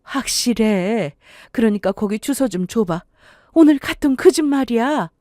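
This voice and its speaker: A woman's voice: a little high, expressive, a little slow, mellow, dry recording. A middle-aged aunt, read by a woman storyteller who speaks in a firm, grave way. The recording is close and dry. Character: older aunt delivering shocking news.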